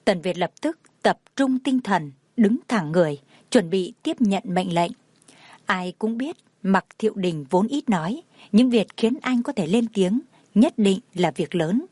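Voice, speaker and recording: A woman reading a romance novel aloud in a steady, even storytelling manner. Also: medium pitch, measured pace, breathy edge, no echo. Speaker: narrator. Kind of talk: scripted audiobook narration.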